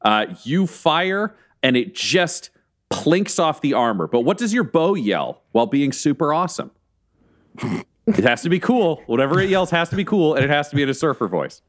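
Animated playful game master man. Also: fairly high pitch, moderate pace. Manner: playful, laughs often. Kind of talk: narrating a tabletop game.

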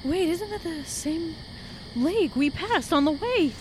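A high voice gives us a wary, outspoken young woman in an audio drama. She is blunt and slangy, with faint night insects around her. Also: expressive, a little slow, noisy background. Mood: unsettled. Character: wary, sharp-eyed, outspoken young woman lost in woods. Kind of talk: audio drama acting, casual dialogue. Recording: faint outdoor night ambience with crickets.

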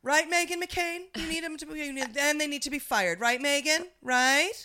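A woman's voice: sits high, normal speed, bright, forceful tone. A woman co-hosting a comedy podcast, chatting casually with sarcastic, mock-indignant jokes. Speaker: podcast co-host.

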